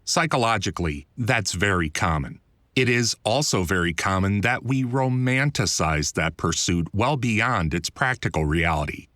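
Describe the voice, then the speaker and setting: A man's voice: on the low side, lively intonation, moderate pace, fairly bright tone, dry recording. A man reading his own nonfiction audiobook in a conversational, wry and articulate way, close on a studio mic. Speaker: author reading own audiobook, voiceover producer. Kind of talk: scripted audiobook narration. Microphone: close studio voiceover mic.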